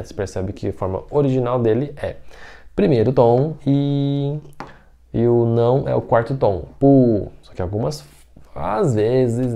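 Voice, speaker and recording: A man teaching a language lesson online, explaining patiently step by step, slowly repeating example phrases and often checking in with the viewer. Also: mid-range voice, mellow. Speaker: Mandarin teacher.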